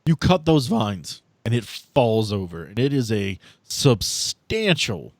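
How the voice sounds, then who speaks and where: A man acting as game master, narrating a tabletop role-playing game in descriptive, deliberate detail. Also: on the low side, big pitch swings, no room sound.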